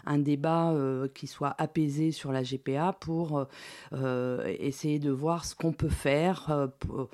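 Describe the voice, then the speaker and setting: Mellow-voiced hesitant woman sociologist. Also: low voice, steady tone. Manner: hesitant, many filled pauses. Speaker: sociologist guest. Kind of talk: recorded interview answer.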